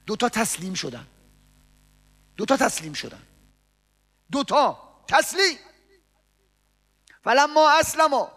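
Male preacher, extremely high voice, impassioned mourning sermon, long hall reverb. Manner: impassioned, swings from hushed murmur to shouting. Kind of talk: mourning sermon with chanted lament.

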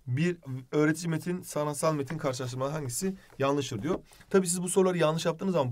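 A man with a fairly high voice teaches an online literature lesson. He explains patiently, speaks to his students as friends and writes on the board as he goes.

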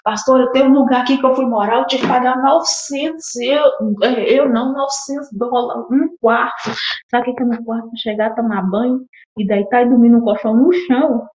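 A woman's voice: fairly high pitch, fairly even intonation, brisk, a little mellow, roomy sound, dull audio. A Brazilian woman with a Brazilian Portuguese accent giving a fervent, tearful religious testimony, crying as she talks, repeating herself. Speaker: testimony guest.

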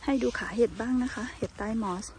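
A woman narrating a casual outdoor vlog while foraging in a forest, exclaiming excitedly over each find. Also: fast talker, slight background noise. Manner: excitable, squeals and exclaims when finding mushrooms. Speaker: vlogger.

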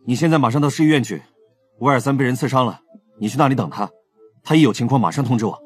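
An actor playing a brash young police detective in an audio drama, blunt and commanding. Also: male voice, mid-range voice, fast, slightly rough, faint music behind, natural voice. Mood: urgent, commanding.

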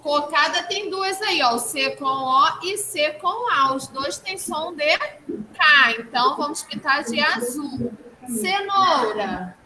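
A woman teaching young children in an online phonics lesson, slow and patient, repeating each answer back. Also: high-pitched, lively intonation. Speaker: primary school teacher. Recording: clear background noise.

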